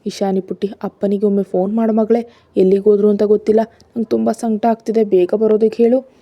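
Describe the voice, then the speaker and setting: A woman's voice: a little high, steady tone, moderate pace, mellow, no room sound, dull audio, pitched above the performer's own voice, natural voice. A woman voicing a jealous, hurt young wife and mother who accuses and pleads. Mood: pleading.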